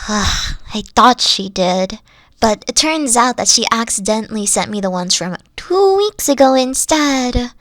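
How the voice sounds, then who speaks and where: A gentle, weary fox-spirit girlfriend from an audio roleplay, voiced by a young woman. Her voice sits high and her speech moves slowly, soft and halting as she trails off. It sounds dry and close, with no room around it. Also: expressive, no room sound. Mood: tired, reassuring. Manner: soft-spoken, hesitant, trailing off.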